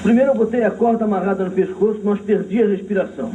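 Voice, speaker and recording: A man's voice: sits high, fast, highs cut off, music in the background, natural voice. An actor playing a hapless, plaintive man in an old radio comedy sketch. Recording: distant old radio recording.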